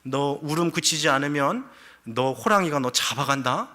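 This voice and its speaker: A man voicing a mother in a folktale, coaxing her crying baby to hush. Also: fairly high pitch, expressive, normal speed.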